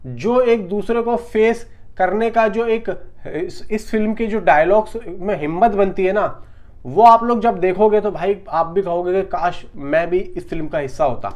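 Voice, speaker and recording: A man's voice: high voice, moderate pace, a little mellow. A man giving casual film news commentary in a conversational, emphatic, repetitive way, talking straight to his viewers.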